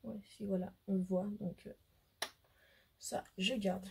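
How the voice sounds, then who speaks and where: Hoarse French woman chatting to camera. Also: mid-range voice, flat delivery, a little slow, warm tone. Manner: chatty, hesitant, many fillers. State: hoarse, losing her voice. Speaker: beauty vlogger. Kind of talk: casual makeup haul chat to camera.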